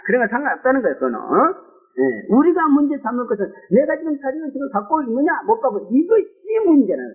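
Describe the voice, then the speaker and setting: High-pitched Korean preacher on lo-fi tape. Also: male voice, very animated, fast talker, husky. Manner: emotive, exclaiming with many asides and rhetorical "eh?". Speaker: pastor. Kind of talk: sermon. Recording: tinny phone-like lo-fi recording.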